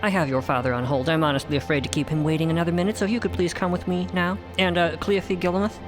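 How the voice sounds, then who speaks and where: Senior timekeeper, female actor: efficient, courteous, quick delivery over prominent music, audio drama. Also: lowish voice, steady tone, lightly acted. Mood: polite, urgent. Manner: formal, polite, efficient. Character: brisk senior timekeeper, clock-faced female official. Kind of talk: audio drama character acting.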